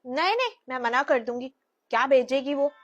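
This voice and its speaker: A woman's voice: high-pitched, lively intonation, normal speed, fairly bright tone, highs cut off. A woman playing a boastful middle-aged mother-in-law who brags and brushes things off. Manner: bragging, dismissive.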